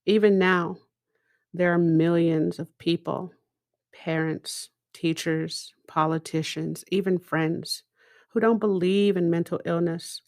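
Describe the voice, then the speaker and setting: A middle-aged woman whose first language is Hebrew speaks in a fairly low register. Her delivery is very slow and deliberate, with pauses placed for effect. She sounds like a podcast host giving a reflective personal monologue, dropping in small rhetorical asides. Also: dry recording, studio quality. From Israel.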